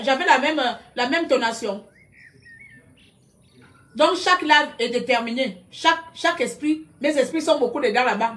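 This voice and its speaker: A woman giving a loud, combative live-stream rant, shouting back at her viewers. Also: sits high. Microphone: computer webcam.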